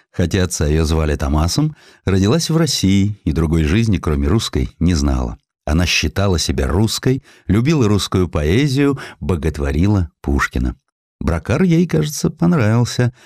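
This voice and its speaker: A man reading a historical story as an audiobook narrator, in an expressive, measured, literary storytelling style. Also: low voice, dry recording, clean studio sound. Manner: expressive, measured storytelling with distinct character lines.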